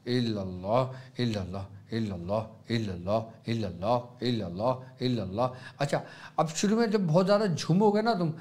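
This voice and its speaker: A man with a Pakistani Urdu accent gives religious instruction as a Sufi guide. His voice sits a little high for a man. He explains each step patiently and drops into soft chanting to demonstrate.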